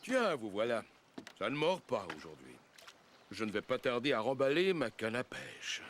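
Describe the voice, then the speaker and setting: A man's voice: mid-range voice, big pitch swings, moderate pace, a bit bright, slight background noise. A man playing an easygoing old grandfather in a children's cartoon.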